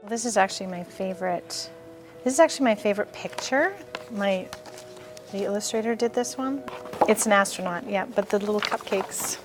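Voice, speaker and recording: A woman's voice: mid-range voice, moderate pace, over music. A woman children's book author talking about her books and reading a passage aloud with playful emphasis.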